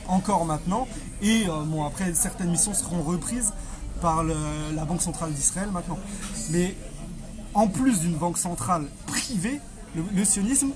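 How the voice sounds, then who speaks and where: A man, an interview guest explaining history conversationally, often repeating and rephrasing his phrases. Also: high-pitched.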